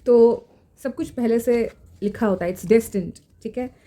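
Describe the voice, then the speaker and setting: A woman giving a casual tarot reading in a gentle, reassuring way, slipping into English phrases. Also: a little high, slow pace. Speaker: tarot reader. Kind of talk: casual spiritual guidance. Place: home room.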